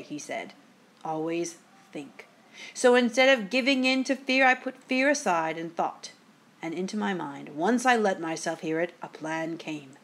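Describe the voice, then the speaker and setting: A woman playing a quick-witted, teasing father who spins a ghost tale with drawn-out suspense. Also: on the low side. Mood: resolute.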